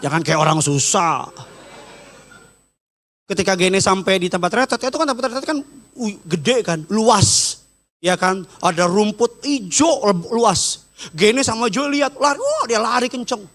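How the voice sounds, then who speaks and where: Male pastor, sermon, humorous storyteller, high voice. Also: lively intonation, moderate pace, fairly bright tone.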